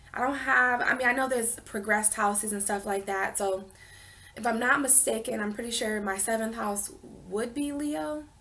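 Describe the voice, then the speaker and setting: A woman at a fairly high pitch and moderate pace, with audible room echo. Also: ordinary pitch variation. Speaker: astrology and tarot reader. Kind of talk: monologue to viewers. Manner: halting.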